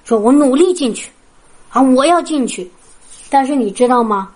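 High-pitched woman from china preaching, earnest storytelling testimony, keeps asking the room if they agree. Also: expressive, moderate pace, darkish tone. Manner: earnest, storytelling, addresses listeners directly. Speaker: preacher at a healing prayer meeting. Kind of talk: sermon with personal testimony.

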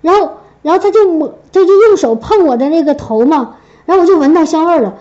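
Middle-aged woman, high voice, personal testimony, chatty with restarts, dull lo-fi recording. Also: lively intonation, fast, warm tone. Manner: chatty, many restarts and fillers. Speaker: church member giving testimony.

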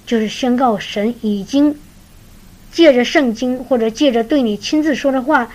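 A woman's voice: a little high, moderate pace, darkish tone, low-quality recording. A woman preaching, telling a faith story in an earnest way and often repeating words as she goes. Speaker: preacher sharing a testimony. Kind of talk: sermon-style storytelling.

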